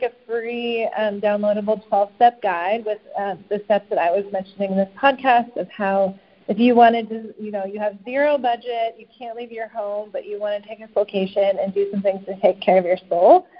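A woman's voice: mid-range voice, steady tone, normal speed. A woman coach and author as a podcast guest, speaking reflectively with frequent ums and likes. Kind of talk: casual interview chat. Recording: slightly dull lo-fi podcast audio.

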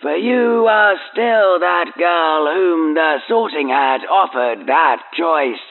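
A man voicing an unseen, whispering male presence that speaks slowly, with a soft hissing menace. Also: on the high side, narrow, tinny audio, voice pushed up. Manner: slow, drawn-out, menacing.

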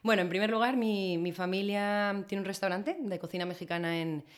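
A woman's voice: mid-range voice, steady tone, a little fast. A woman in her late twenties with an accent from Spain, answering conversationally as a podcast guest.

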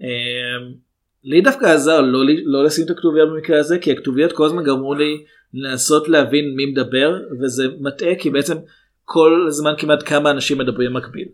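A man chatting about a film as a podcast co-host, measured and critical, with hesitant fillers. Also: fairly high pitch. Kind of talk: casual film review chat.

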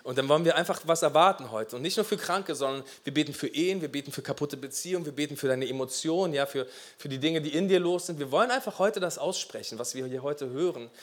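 A man preaching a sermon as pastor, passionate and emphatic, with swings between loud urgency and quiet asides. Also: fairly high pitch, fast talker.

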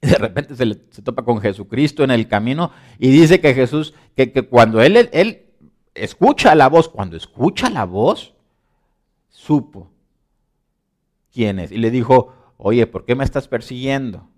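A man preaching a conversational sermon, asking many rhetorical questions and often restarting his words, with sudden loud emphasis and quiet low asides. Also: big pitch swings, unhurried. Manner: dramatic swings between loud emphasis and soft low asides.

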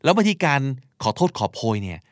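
A native Thai-speaking man hosts a casual podcast lesson teaching English, explaining phrases and reading examples with playful, animated emphasis as he moves between Thai and the English samples. His mid-range voice is fast, and the studio-quality recording has no echo.

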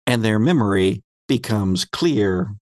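A man hosting a tabletop game podcast as game master, narrating the story in a measured, dramatic way. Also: on the low side, expressive, a little mellow, dry recording, clean studio sound.

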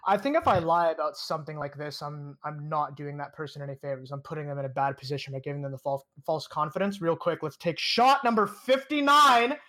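A tipsy man with a somewhat high voice co-hosts a casual podcast. He teases his friends in a playful way and calls out the next shot as they drink along. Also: fairly quick, few pauses, bright, forceful tone. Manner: playful, teasing, keeps track of the shots. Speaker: podcast co-host.

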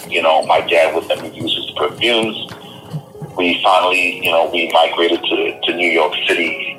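A man from Trinidad and Tobago, a podcast guest, telling stories in a relaxed, casual way with many restarts. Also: rumbling low, poor audio. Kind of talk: casual interview storytelling.

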